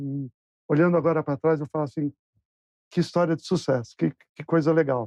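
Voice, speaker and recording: Pitch variation is ordinary in this voice. The man speaks with a fairly high pitch. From Brazil. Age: 60s. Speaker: company founder, engineer. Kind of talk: interview.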